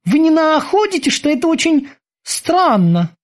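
A man voicing a sleepy, fretful bosun who talks in high, anxious exclamations. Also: sing-song, a little slow, full character voice.

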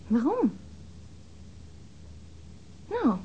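A woman's voice: high voice, wildly swooping pitch, very slow, lo-fi sound, a little hiss or hum, full character voice. An actress in a radio drama playing a frank, flirtatious woman witness who speaks in a hesitant yet candid, matter-of-fact way. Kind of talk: radio drama acting, naturalistic dialogue.

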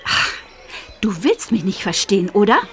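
A woman's voice: medium pitch, big pitch swings, moderate pace. A woman playing an outspoken, protective teenage schoolgirl in a radio play, talking in a direct and indignant way. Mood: confrontational.

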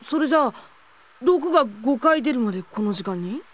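A woman's voice: sits high, lively intonation, moderate pace. A woman playing an exasperated, blunt teenage boyfriend who grumbles and complains, in an anime-style audio drama.

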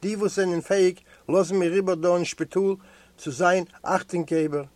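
Reader doing a prison night warden, flat matter-of-fact, dry close sound. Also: male voice, high-pitched, normal speed, no echo, lightly acted.

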